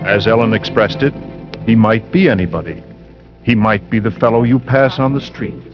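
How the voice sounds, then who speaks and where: A man narrating an old radio drama in a grave, deliberate way. His voice sits low, with music clearly underneath. The broadcast sound is dull and old. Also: lively intonation.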